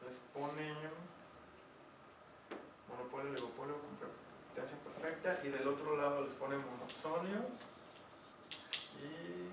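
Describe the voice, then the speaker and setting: A Mexican-accented man tutors online as a teacher, speaking slowly with long pauses in a slightly high, creaky voice with fairly even intonation. He's chatty and relies on many fillers. The audio is noisy, echoey, and captured from a distant mic.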